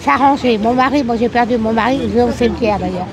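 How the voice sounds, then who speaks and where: Crowd noise fills the background as a woman speaks at a moderate pace. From Normandy, France. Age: 80s+. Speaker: passer-by interviewed. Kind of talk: street interview.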